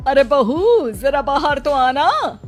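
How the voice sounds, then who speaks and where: An anxious elderly mother-in-law from a village cartoon speaks slowly and pleadingly. Her voice sits a little high and unhurried. Soft music plays beneath her. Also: big pitch swings, heavily acted. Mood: worried. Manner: slow, pleading, fretful. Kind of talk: cartoon voice acting.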